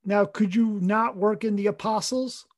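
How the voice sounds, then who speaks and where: A man's voice: high-pitched, steady tone, normal speed. A man co-hosting a cartoonist podcast in casual chat, earnest and rambling, correcting himself mid-sentence.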